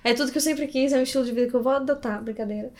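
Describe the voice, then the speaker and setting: A woman's voice: sits high, racing. A young woman from Brazil in casual chat, self-deprecating and acting out little dialogues as she tells stories. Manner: self-deprecating, laughs often, acts out quoted dialogue.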